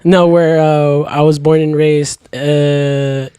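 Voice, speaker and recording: A young man from the Philippines, a podcast guest, talking in an easygoing, halting way with many fillers. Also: fairly high pitch, level tone, warm tone, clear, resonant tone, no room sound, studio quality. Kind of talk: casual chat.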